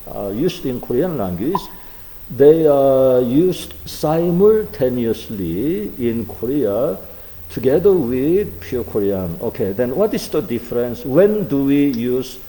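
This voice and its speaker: A man teaching a language class in English, speaking slowly and haltingly with many fillers and asking his students questions. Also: medium pitch, big pitch swings, warm tone, long reverb tail, rough recording. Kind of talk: online class lecture.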